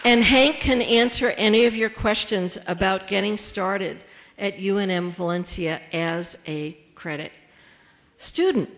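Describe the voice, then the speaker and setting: A woman serving as the emcee of a ceremony, reading out names, titles and introductions in a measured way. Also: medium pitch, fairly bright tone.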